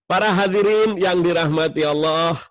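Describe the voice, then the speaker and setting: A man giving a sermon to a mosque study circle, explaining with warmth and acting out tones of voice in his examples. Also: sits high, moderate pace, dry recording.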